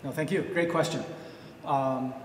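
A man's voice: medium pitch, steady tone, a little slow. An older man giving an academic conference talk at a podium microphone, earnest, thinking aloud with many restarts. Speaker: speaker presenting research. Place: large hotel ballroom, at a podium. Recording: long hall reverb, faint noise.

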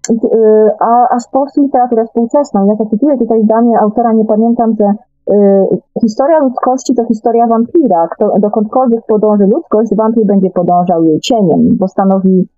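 A woman's voice: fairly high pitch, normal speed, no echo, faint music behind. A woman speaking as a guest in a radio discussion, explaining eagerly and often rephrasing herself. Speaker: guest author. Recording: narrow, tinny phone-like call line.

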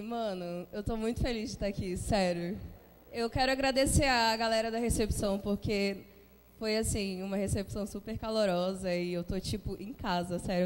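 A woman's voice: medium pitch, a little mellow. A woman student introducing herself casually and enthusiastically, using youthful slang. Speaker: incoming student. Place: large auditorium. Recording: long hall reverb, faint noise.

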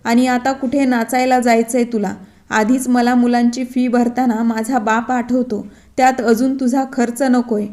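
A domineering husband who speaks with contempt in a raised tone, voiced by a woman. The voice stays high and mellow. It is part of a storybook reading. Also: level tone, unhurried, close to an everyday voice. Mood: scornful. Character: scornful, domineering middle-aged husband.

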